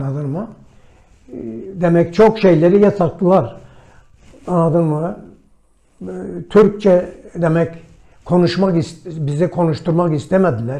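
A man's high-pitched, dark, mellow voice at a fairly slow pace, with ordinary pitch variation and long, frequent pauses. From Bulgaria, Kırcaali region. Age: 80s+. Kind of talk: interview answer.

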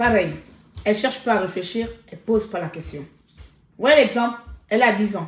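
A woman with a somewhat breathy voice speaks in an animated tone at a fairly quick pace, with long, frequent pauses and big swings in loudness. Her pitch varies in an ordinary way, and audible room echo is present. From Gabon. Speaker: activist livestream host. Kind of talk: casual vlog chat, live-stream commentary. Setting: online live stream. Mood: serious, indignant. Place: home room. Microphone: phone near.

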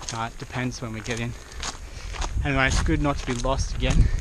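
A man is heard over loud background noise in a dry sound with no echo. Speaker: hiker vlogger. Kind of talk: casual vlog chat. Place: forest. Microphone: phone near.

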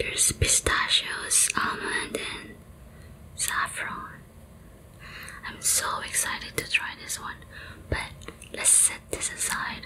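A woman whispers at a very slow pace. Long pauses come often. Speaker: ASMR food mukbang creator. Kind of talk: whispered mukbang talk to camera. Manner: whispered. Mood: excited, cheerful. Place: home room.

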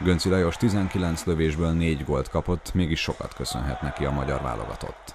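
Over noticeable background noise, a man with a very deep, low pitch talks at a moderate pace with ordinary pitch variation and hardly any pauses. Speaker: sports reporter. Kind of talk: news narration.

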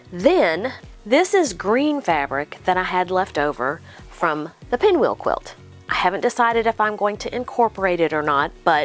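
A woman speaks at a moderate pace in a dry sound with no echo while faint music plays in the background. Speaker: quilting video host. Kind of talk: tutorial. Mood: cheerful, chatty. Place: home room. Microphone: lapel.

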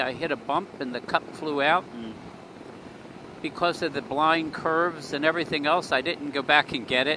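A man's voice with ordinary pitch variation, dry with no echo, over noticeable background noise. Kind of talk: casual ride commentary. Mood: relaxed, chatty. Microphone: helmet.

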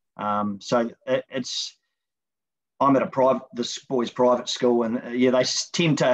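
A man with a New Zealand accent speaks at a medium pitch and a moderate pace. His intonation stays fairly even. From New Zealand, Hawke's Bay. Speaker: teacher. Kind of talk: casual interview.

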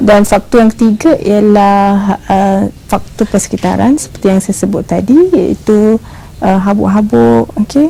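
In a normal speaking voice, a woman talks at a fairly slow pace and medium pitch, with lively intonation and very even loudness. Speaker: dermatologist. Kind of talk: TV health interview.

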